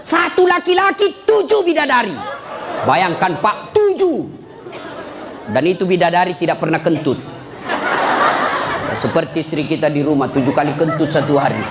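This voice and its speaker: Animated, high-pitched joking preacher. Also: male voice, normal speed, long pauses, over a noisy crowd, heavy background noise. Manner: animated, joking, often shouting. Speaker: Islamic preacher. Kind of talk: comic sermon. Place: live religious gathering. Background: audience laughter.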